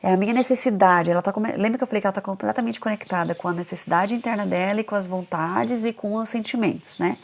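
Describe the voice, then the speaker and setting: Brisk, lively woman coaching parents, slight vocal fry. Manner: animated, acts out parents' complaints in a high voice. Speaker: parenting educator. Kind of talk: casual talk to parents.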